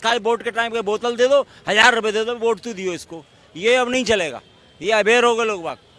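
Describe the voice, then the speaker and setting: Amid noticeable background noise, a man uses a raised, projected voice at an extremely high pitch and a moderate pace. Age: 60s. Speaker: lawyer, street interviewee. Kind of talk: street interview, political opinion.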